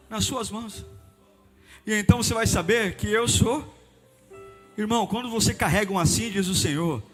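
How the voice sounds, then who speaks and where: Male pastor, high voice, fervent sermon that swings between chanted shouts and hushed lines, faint music underneath. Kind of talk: passionate sermon.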